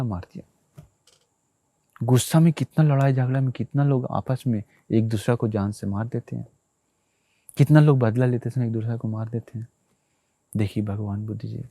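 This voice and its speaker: A man with a low, mellow voice delivers a sermon. He tells a story plainly and keeps repeating key phrases, turning often to address his listeners. The recording is dry and close. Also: no echo. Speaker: Buddhist monk preacher.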